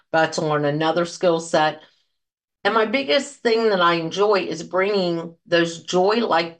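Woman in her fifties, podcast host, casual encouraging talk, rambling asides, lowish voice. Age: 50s.

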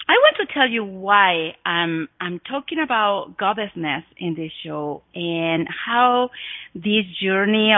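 A woman's voice: mid-range voice, no room sound. A middle-aged woman from Mexico with a Mexican Spanish accent, hosting her own show and telling her story to listeners with effusive, gasping emphasis. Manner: effusive, breathy gasps, swooping emphasis. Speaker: podcast host. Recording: dry phone-like audio.

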